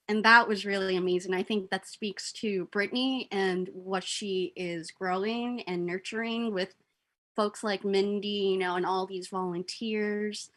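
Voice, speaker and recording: A woman's voice: medium pitch, fairly bright tone. A young woman organizing a livestream, talking casually in an effusive, earnest, giggly way. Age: young adult. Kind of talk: casual chat.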